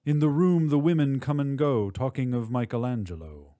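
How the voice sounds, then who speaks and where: A man giving an expressive, measured recitation of literary poetry, drawing out words for emphasis. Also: mid-range voice, no echo. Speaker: poetry reader.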